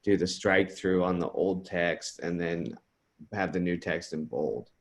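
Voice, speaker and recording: Man, very deep voice, board member, plain explanatory delivery. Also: unhurried. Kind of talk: casual meeting discussion.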